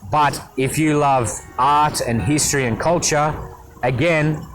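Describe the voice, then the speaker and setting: A man's voice: a little high, a little slow, background noise. An Australian man chatting upbeat about travel tips in an interview, laughing easily. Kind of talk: casual interview answers. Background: background music.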